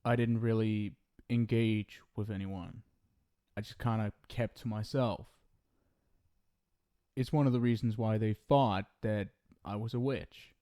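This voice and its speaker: A man's voice: on the low side, fairly even intonation, measured pace, long pauses, warm tone, lightly acted. A man playing an affectionate, centuries-old ghost soulmate in an intimate ASMR roleplay, speaking casually and hesitantly. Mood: casual explaining. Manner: casual, hesitant, tender, reassuring.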